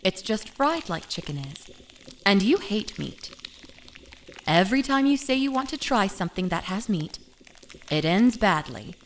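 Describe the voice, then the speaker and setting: An actress playing a loving, anxious young mother, narrating her memories in an expressive, conversational way for a scripted audio drama. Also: medium pitch, a little slow, pauses often, a little hiss or hum. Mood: fond, patient. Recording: faint music behind narration.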